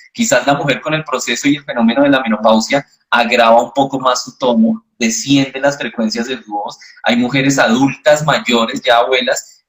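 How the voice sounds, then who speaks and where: Brief: male voice expert, mid pitch, calm didactic interview answers. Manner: calm, didactic, uses examples. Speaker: voice specialist guest.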